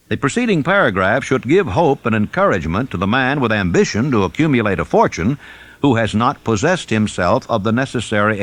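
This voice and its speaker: A man reading a self-help audiobook in a measured, instructive and emphatic manner. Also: fairly low pitch, a bit bright. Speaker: audiobook narrator.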